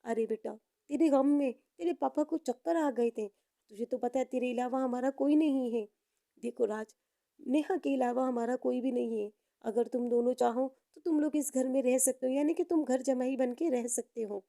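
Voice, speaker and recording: A woman's voice: sits high, normal speed, gravelly, mellow. A woman playing a possessive, doting middle-aged rich mother in a story, insistent and emphatic. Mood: coaxing.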